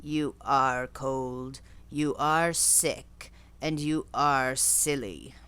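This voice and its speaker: A woman voicing a harsh old female gypsy fortune-teller who speaks slowly and deliberately in a low, decided voice. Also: lively intonation, heavily acted. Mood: oracular. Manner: slow, low, emphatic pronouncements.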